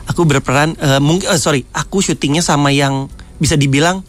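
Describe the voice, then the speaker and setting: A man's voice: fairly high pitch, a little fast. A man in his thirties, a film actor guesting on a radio show, chatting casually and laughing now and then. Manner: relaxed, laughing, informal slang. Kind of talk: casual interview chat.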